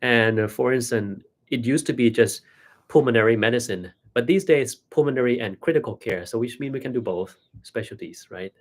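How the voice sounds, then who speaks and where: A man hosting a live question-and-answer chat, explaining things in a relaxed way with everyday examples. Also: mid-range voice, normal speed. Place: hospital setting, indoors.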